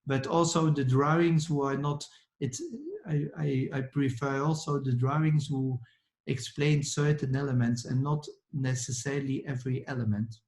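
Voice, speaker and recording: A man, an architect answering questions in a lecture Q&A, halting with many restarts and fillers. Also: mid-range voice, flat delivery, darkish tone, roomy sound. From Belgium. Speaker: architect guest speaker.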